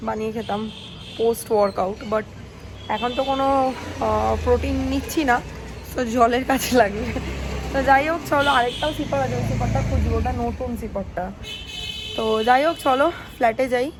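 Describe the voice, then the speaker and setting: A woman's voice: a little high, a little fast, pauses often. A young woman, chatting casually through a home vlog and slipping in English phrases. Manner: chatty, mixes English phrases, many fillers. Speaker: vlogger. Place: home kitchen indoors. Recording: faint background noise.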